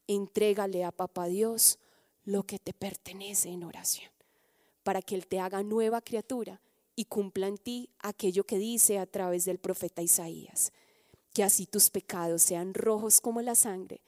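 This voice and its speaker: A woman giving a devotional teaching on prayer, told gently with soft endings that sink to a hush. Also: medium pitch, no room sound, studio quality, in a large hall. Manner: gentle, soft, dropping to a hush at phrase ends.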